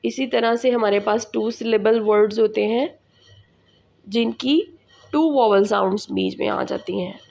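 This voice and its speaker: Woman teacher, gravelly and unhurried, dull lo-fi recording; suits an English lesson. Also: mid-range voice, steady tone, a little mellow. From Pakistan. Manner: slow, deliberate, repeats words for students. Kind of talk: classroom lesson explaining English in Urdu.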